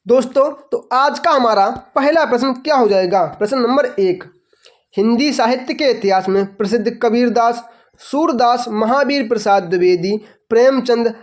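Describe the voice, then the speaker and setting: A man's voice: high voice, a little mellow. A man teaching an exam-prep lesson, asking the class questions, answering them himself and repeating each answer. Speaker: online teacher.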